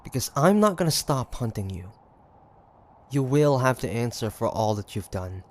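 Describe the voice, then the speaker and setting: A man playing a cocky, stubborn demon hunter of the 1850s in a dramatic audio roleplay, theatrical and halting. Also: mid-range voice, very animated, lightly acted. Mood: defiant, angry. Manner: theatrical, taunting, halting with sighs and pauses.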